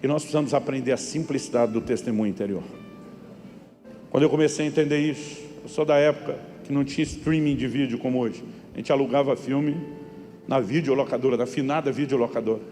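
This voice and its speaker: Brazilian pastor preaching in a hall. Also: male voice, mid-range voice, fast talker, dark tone, soft background music. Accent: Brazilian Portuguese. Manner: storytelling, acts out dialogue, rising to emphatic peaks. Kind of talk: sermon.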